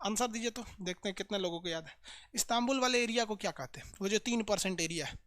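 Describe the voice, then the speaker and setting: A man teaching an online map lesson, drilling students energetically with loud, rapid repetition. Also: high voice, dry recording.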